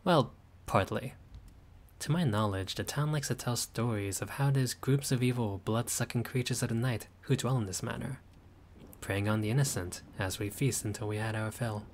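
A man's voice: medium pitch, normal speed, slight background noise. A man voicing a friendly, showy young male vampire who chats playfully with a guest in a scripted audio roleplay. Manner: warm, chatty, playful.

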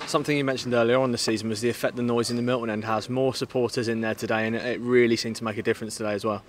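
A man asks brisk, neutral post-match questions in a rapid, flat delivery. He speaks from off camera outdoors at night, with faint stadium noise behind him. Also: mid-range voice. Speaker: club media interviewer. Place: outdoors on a floodlit football pitch at night.

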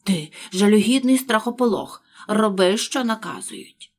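A woman voicing a fussy, short-tempered male rabbit who shouts and scolds his servant, in a husky voice. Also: medium pitch, lively intonation, brisk. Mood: scolding.

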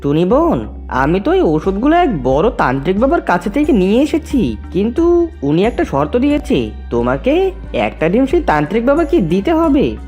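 A woman's voice: mid-range voice, wildly swooping pitch, normal speed, dark tone, soft background music. A woman voicing a sly, scheming cartoon fox who feigns sweet concern in a wheedling way. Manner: wheedling, falsely sympathetic. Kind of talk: children's cartoon voice acting.

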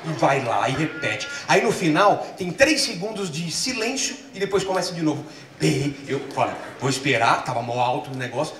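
On a comedy festival stage, a middle-aged Brazilian stand-up comedian tells stories with animated delivery, acting out the different voices. His voice is slightly high, and the roomy live recording carries a little hiss or hum.

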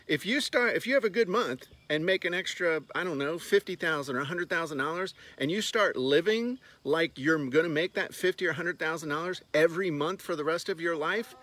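A man's voice: sits high, fairly bright tone. A man in his fifties, a business coach, talking bluntly and sarcastically to a phone held at arm's length while walking outdoors on a farmyard. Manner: blunt, sarcastic, jokey outbursts. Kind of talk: casual talking-head vlog.

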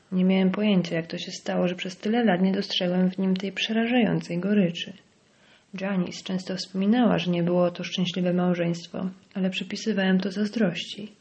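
A woman narrating an audiobook in a measured, dramatic reading. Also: medium pitch, a little mellow, highs cut off.

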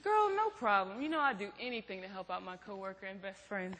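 A woman's voice: mid-range voice, big pitch swings, fairly quick, fairly bright tone, slight background noise. A woman acting in a stage play as a protective, outspoken best friend, blunt, probing and emphatic. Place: theatre stage. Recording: echoey theatre hall.

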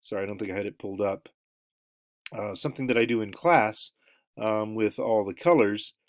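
Halting middle-aged man lecturing from home. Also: lowish voice, dry recording, studio quality. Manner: rambling, many ums and uhs. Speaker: anthropology lecturer. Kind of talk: recorded online lecture over slides. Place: home room, indoors.

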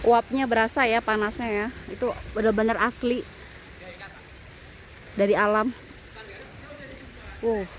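Woman in her 30s, high voice, excited travel vlog, phone at arm's length, noisy outdoor sound. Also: unhurried, pauses often. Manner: excited, exclaiming, addresses viewers as guys. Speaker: travel vlogger. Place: outdoors at hot spring terraces. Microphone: phone camera held at arm's length. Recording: outdoor phone audio with loud background noise.

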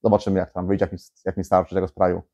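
Recorded in lo-fi, this low, dark, level-toned voice races along as a thirtysomething man gives a casual DIY walkthrough in his small garage workshop. His vlog-style talk is chatty, heavy on fillers and restarts.

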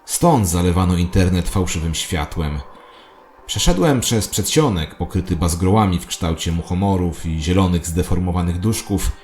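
Very deep-voiced, grandiose conspiracy believer played by a man. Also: normal speed, a little mellow, soft background music, close to an everyday voice. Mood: conspiratorial, solemn. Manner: solemn, theatrical, self-important. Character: grandiose paranoid male conspiracy believer telling his story. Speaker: narrator and protagonist of an audio drama. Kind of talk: dramatic first-person scripted narration.

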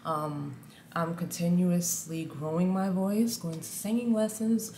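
A woman in her thirties speaks straight to the camera in a deep contralto voice. She talks candidly and with lots of animation, the way you chat with followers. The small room adds a noticeable echo and a faint hum underneath. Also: unhurried. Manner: candid, animated, says guys a lot. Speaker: vlogger. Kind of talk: casual motivational talk to camera. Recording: echoey room, faint ambient noise.

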